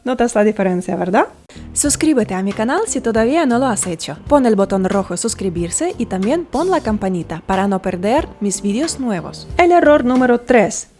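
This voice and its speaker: Woman singing teacher, fairly high voice. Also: sing-song, moderate pace, a little mellow, soft background music. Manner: instructive, explains step by step and checks in with the listener. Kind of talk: vocal technique lesson.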